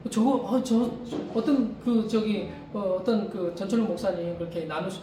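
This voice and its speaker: A missionary preaches informally in church during a service, his high voice moving at normal speed. He keeps it conversational, repeating rhetorical questions, laughing softly, and restarting lines. The audio comes from a distant mic in an echoing room with slight noise.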